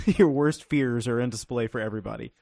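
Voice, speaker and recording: A man's voice: medium pitch, very animated, moderate pace, gravelly, a little mellow, dry recording. A man hosting a casual chat, reading out listener suggestions and reacting in an upbeat way with frequent laughter. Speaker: podcast host.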